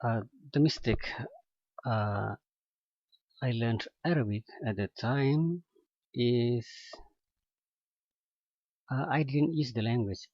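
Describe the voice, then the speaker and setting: A man with husky speech who learned English as his fourth language talks slowly and haltingly, filling the gaps with fillers. The sound is dull and lo-fi, with no room echo. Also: mid-range voice, darkish tone. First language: not English (English is his fourth language). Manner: hesitant, many pauses and fillers. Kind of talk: casual personal account.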